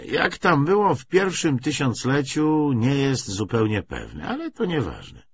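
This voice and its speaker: A man reading aloud the part of a good-natured but evasive young man, halting and musing as he talks. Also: medium pitch, wildly swooping pitch, slightly rough, lo-fi sound, voice pushed up, exaggerated voice. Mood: evasive, thoughtful.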